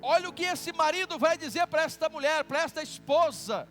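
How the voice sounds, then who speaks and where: A man preaching a sermon in church with a Brazilian accent, animated and teasing as he calls on the congregation to answer back. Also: extremely high pitch, a little fast, faint music behind. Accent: Brazilian Portuguese. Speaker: pastor.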